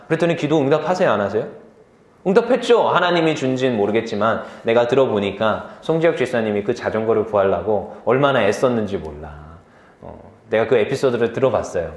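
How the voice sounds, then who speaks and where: A young man preaching a sermon to a youth group, telling stories from his life in a lively way, laughing easily and asking the listeners questions. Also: medium pitch, echoey room. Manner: lively storytelling, quick to laugh; asks the listeners questions directly.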